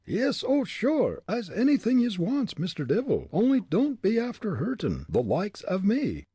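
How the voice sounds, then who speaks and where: A man voicing a boastful, quick-tempered, superstitious Irish tramp with an Irish accent, full of indignant exclamations in a storybook reading. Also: fairly high pitch, huge pitch swings, warm tone, husky, no room sound, voice pushed up, full character voice. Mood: terrified pleading.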